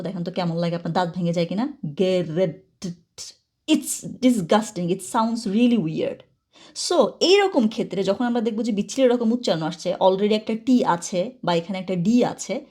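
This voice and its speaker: A woman teaching a German grammar lesson in Bengali, patient and steady, often pausing to ask whether the students follow. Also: fairly high pitch. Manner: patient, asks many checking questions. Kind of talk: classroom-style grammar lesson.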